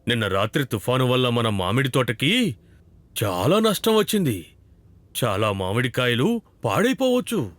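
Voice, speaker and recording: A man playing a kindly, patient father in a children's cartoon, speaking in an instructive, deliberate way. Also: mid-range voice, sing-song, fairly bright tone, no room sound. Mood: concerned. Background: prominent music.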